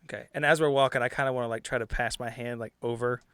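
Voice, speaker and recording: A man's voice: mid-range voice, steady tone, quick pace, a bit bright, clear, resonant tone, no echo. A man chatting casually as a player in a tabletop game, hesitant and rambling.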